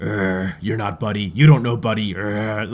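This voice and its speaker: A man growls in a put-on character voice at a fairly low pitch. Light background noise sits under the recording. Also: moderate pace. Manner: snarling, comical, growling.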